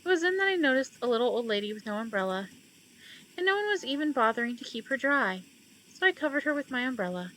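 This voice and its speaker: A woman's voice: on the high side, sing-song, fast, poor audio. A woman hosting a let's play, casually reading the game's story text aloud and commenting on it. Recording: loud background noise.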